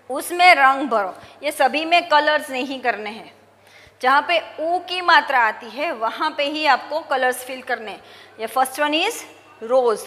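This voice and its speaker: Slow, patient high-voiced woman teacher. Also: pushed and bright, big-room sound. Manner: slow, patient, mixing in English words. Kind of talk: online lesson for young pupils.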